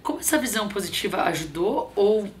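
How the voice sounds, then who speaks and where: A woman's voice: medium pitch, lively intonation, a little fast, slight background noise. Brazilian host woman, friendly interviewer. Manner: engaged, prompting questions. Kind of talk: conversational interviewing. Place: bright studio set with sofa. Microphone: lapel mic.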